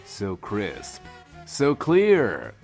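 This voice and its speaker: An actor playing a self-important, wordy, lonely radio host in a post-apocalyptic bunker, in an audio drama. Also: male voice, on the low side, wildly swooping pitch, drawn-out words, vocal fry, music in the background, exaggerated voice. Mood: showy, defensive. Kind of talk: in-world radio show monologue, audio drama.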